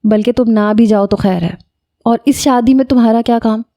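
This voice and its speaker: A woman's voice: on the high side, steady tone, mellow, lightly acted. A woman voicing a middle-aged aunt who scolds her son with affection. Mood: dismissive.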